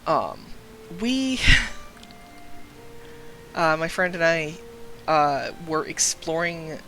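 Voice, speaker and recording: A man's voice: fairly high pitch, pushed and bright, poor audio. Light-voiced young trans man streaming games. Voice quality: light, youthful-sounding voice. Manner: rambling, chatty, laughs often, greets viewers mid-story. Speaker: game streamer. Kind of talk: casual live-stream chat.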